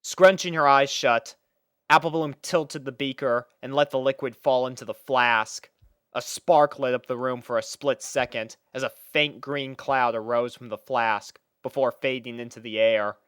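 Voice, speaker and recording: A woman narrating a scripted story in an expressive manner. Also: a bass voice, moderate pace, clear, resonant tone, dry recording, clean studio sound.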